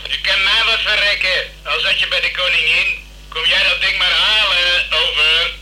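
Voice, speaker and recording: A man's voice: sits high, fairly even intonation, normal speed, bright, forceful tone. An actor playing a grumpy, sarcastic, blunt repair shop man talking over a two-way radio in a radio play. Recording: noisy crackling two-way radio sound.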